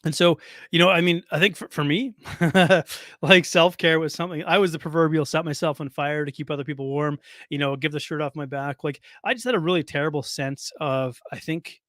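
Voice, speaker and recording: A man with a hoarse voice talks quickly and casually on his solo podcast, full of fillers and restarts. His voice sits a little high. The recording is dry, with no room echo. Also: steady tone, a bit bright. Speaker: nutrition coach and podcast host.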